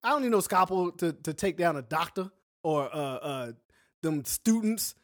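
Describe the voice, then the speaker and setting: A man's voice: on the high side, lively intonation, normal speed, no room sound, studio quality. A man co-hosting a podcast, chatting casually and joking with playful exaggeration. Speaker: podcast co-host.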